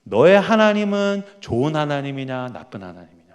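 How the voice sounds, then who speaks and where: Hushed, low voice of God, as a pastor puts it on. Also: male voice, sing-song, brisk, big-room sound. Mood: tender, searching. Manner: low, hushed and tender questioning. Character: God as a gentle, quiet father speaking inwardly.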